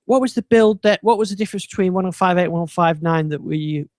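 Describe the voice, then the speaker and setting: A man with a notably high voice, hosting a relaxed tech podcast. He meanders through his points with plenty of ums and false starts. The sound is dry and close-miked. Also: quick pace, no room sound. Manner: meandering, many ums and restarts. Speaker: podcast host. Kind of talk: casual tech chat.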